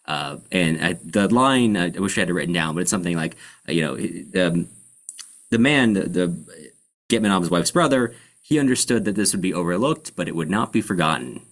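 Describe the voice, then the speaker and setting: Male podcast host, deep voice, casual explanatory delivery with halting searches for the right word. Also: lively intonation, fairly bright tone. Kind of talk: casual book discussion.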